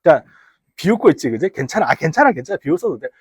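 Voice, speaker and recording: A man from the Gyeongsang region teaches English to a class, joking and teasing his students as he goes. His voice is husky and a little high, and his pitch swings widely. The sound is dry and close, picked up on a wearable mic in a classroom. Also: sing-song, quick pace, no echo. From Gyeongsang region, Korea. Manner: teasing, chatty, banters with students. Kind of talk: casual classroom lecture.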